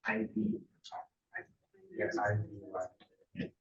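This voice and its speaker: A man's voice: fairly low pitch, level tone, drawn-out words, a bit bright. A man moderating a class, prompting the speaker with brief questions. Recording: distant, echoey, dull room sound.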